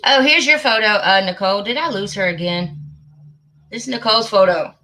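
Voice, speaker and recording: A woman hosting a casual livestream, chatty and excitable, muttering to herself as she searches for something. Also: medium pitch, a little fast, slight background noise, low-quality recording. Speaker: livestream host.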